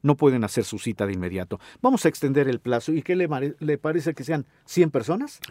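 A middle-aged man with a Mexican accent hosting a health talk show as a doctor, explaining calmly and asking the listener questions. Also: mid-range voice, brisk, no room sound. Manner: didactic, addresses listener directly with questions. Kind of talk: informative radio talk.

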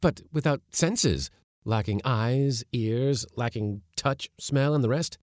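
A man's voice: mid-range voice, takes it slowly, a little mellow, no room sound, clean studio sound, voice pushed up, natural voice. A man voicing a frightened yet defiant ordinary man, who asks tense, rising, pleading questions. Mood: pressing.

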